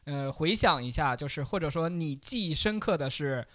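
A man hosting a casual podcast chat, teasing his guests and quick to chime in. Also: on the high side, lively intonation, a bit bright, dry recording, studio quality. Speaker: podcast host.

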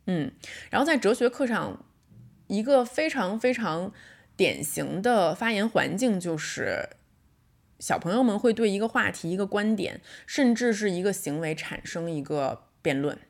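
A woman in her thirties talks alone on her podcast in a relaxed, conversational monologue. Her voice sits at an ordinary mid pitch. She recounts an argument thoughtfully and draws out her words when she wants them to land. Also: vocal fry. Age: 30s. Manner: reflective storytelling, slows down to stress points. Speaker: podcast host. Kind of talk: casual solo podcast monologue.

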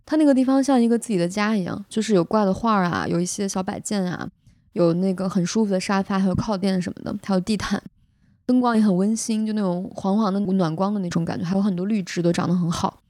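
A young woman hosts a podcast and tells a personal story in an earnest, heartfelt way. Her voice has a mellow, soft tone at a middle pitch. It sounds close and dry, with almost no room echo. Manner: earnest, emotional retelling with vivid detail. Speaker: podcast host. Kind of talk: casual storytelling chat.

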